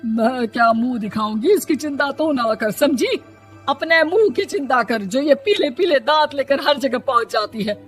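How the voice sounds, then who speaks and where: A woman voicing an irritable, proud middle-aged mother-in-law in an animated story, nagging and scolding with exasperation. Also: sits high, normal speed, faint music behind.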